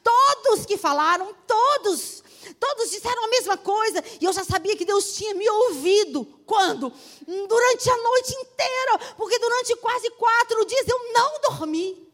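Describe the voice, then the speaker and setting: Middle-aged Brazilian woman pastor, very high pitch, emphatic and repetitive sermon delivery. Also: expressive, a little slow. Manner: emphatic preaching, repeats phrases, swings from loud to soft.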